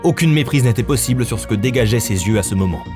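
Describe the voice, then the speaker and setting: A man's voice: medium pitch, expressive, fast talker. A male narrator with a mid-range voice tells a scripted adventure story in a dramatic style. Faint music plays underneath him.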